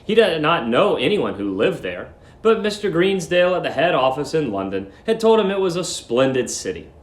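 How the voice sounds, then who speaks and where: A man's voice: a little high, sing-song, moderate pace. A man working as a teacher, giving a live read-aloud lesson with story narration. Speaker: teacher reading aloud to students. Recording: roomy echo.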